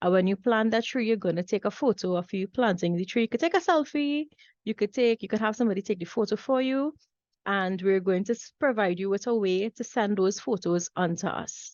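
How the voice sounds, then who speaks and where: A woman with a strong Trinidadian accent and a medium pitch talks at a fairly quick pace with ordinary pitch variation. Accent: thick Trinidadian. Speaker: online course instructor. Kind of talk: online class lecture. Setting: video call.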